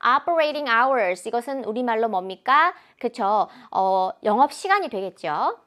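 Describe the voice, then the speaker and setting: A woman English teacher explaining exam answers in a lecture, animated and mixing in English examples. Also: a little high, unhurried. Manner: animated, switches between Korean and English examples.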